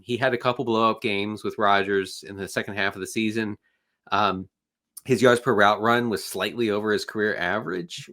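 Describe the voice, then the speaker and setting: A man's voice: mid-range voice, sharp tone. A man with a congested voice, co-hosting a casual sports chat, grumbling with dry humor. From Washington, D.C. area. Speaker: podcast co-host.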